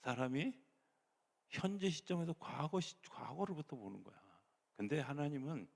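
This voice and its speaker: Middle-aged male pastor, gravelly and husky, preaching in a big reverberant church. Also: a little high, normal speed. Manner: animated preaching, swings between raised voice and near-whisper. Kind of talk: sermon. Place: church sanctuary.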